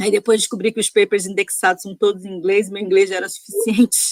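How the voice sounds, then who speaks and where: In a Rio de Janeiro accent, a woman speaks at a very fast pace and medium pitch, her intonation fairly even, the sound dry and close with no echo. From Rio de Janeiro, Niterói. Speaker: energy research analyst. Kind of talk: podcast interview.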